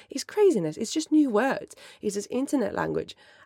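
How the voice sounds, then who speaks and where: A woman with a Finnish accent speaks at a high pitch and a fairly quick pace. The sound is dry and close, with no echo. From Finland. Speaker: personal trainer and podcast host. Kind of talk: casual solo chat. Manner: calm; expressive.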